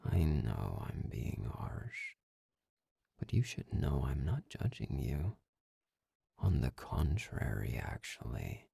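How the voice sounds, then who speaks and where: A man acting an arrogant, domineering master in an intimate ASMR roleplay, slow and condescending, with a breathy, gravelly voice that often drops into a whisper. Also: very deep voice, warm tone, no echo, studio quality, heavily acted. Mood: mocking, possessive. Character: arrogant, domineering young male master, cold and mocking.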